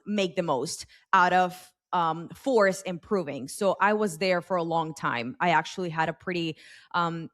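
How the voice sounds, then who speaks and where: A young adult woman hosting a podcast interview, chatting casually with plenty of fillers as she rambles toward her question. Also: fairly low pitch. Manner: rambling, heavy use of fillers. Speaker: podcast host.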